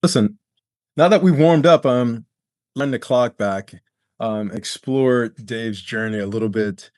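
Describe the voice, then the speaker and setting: A man's voice: mid-range voice, unhurried, darkish tone, no room sound, clean studio sound. A man co-hosting a podcast interview, with brief affirmations and loose segue questions. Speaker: podcast co-host. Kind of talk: casual interview talk.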